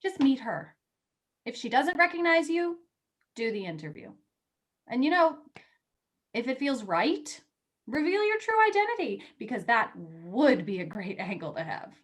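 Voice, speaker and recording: Eager, higher-pitched young woman editor played by an actress. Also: very animated, unhurried. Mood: pleading, relieved. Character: eager young female magazine editor, teasing and persuasive. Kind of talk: virtual staged play reading, naturalistic dialogue.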